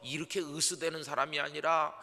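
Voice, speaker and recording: A man's voice: a little high, steady tone, brisk. A middle-aged man preaching a dawn sermon as pastor, telling stories and acting out the voices of the people in them. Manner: acts out quoted voices, swings from soft to emphatic. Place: church sanctuary. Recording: church hall reverb.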